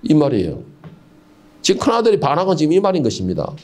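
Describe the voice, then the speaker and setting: A man's voice: fairly high pitch, huge pitch swings, fast talker, darkish tone. A middle-aged man preaching a sermon as pastor, asking the congregation rhetorical questions and stumbling over many filler words.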